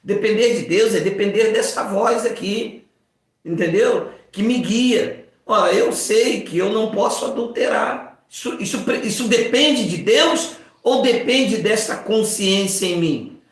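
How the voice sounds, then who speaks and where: Unhurried and high-voiced, this fifty-something preacher keeps his sermon informal, slipping into character voices and jokes with lively energy. The recording comes from a very echoey room.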